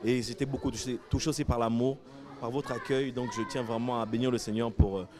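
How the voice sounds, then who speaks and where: A man interviewed after a church event, giving a spontaneous testimony with many pauses and fillers. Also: medium pitch, very noisy. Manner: hesitant, many fillers, grows animated.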